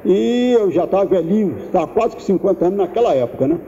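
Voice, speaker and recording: A man in his seventies giving an unhurried, thoughtful lecture, pausing and restarting as he goes. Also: sits high, expressive, mellow, a little hiss or hum. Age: 70s. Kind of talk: public lecture. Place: large lecture room. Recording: echoey hall, dull lo-fi sound.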